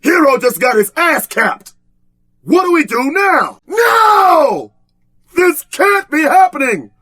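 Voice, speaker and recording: A man's voice: extremely high pitch, big pitch swings, takes it slowly, pushed and bright, dry recording, exaggerated voice. An actor voicing a brash, trash-talking tough-guy sidekick in a video game, bombastic and streetwise in exaggerated combat barks. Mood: shocked, distraught.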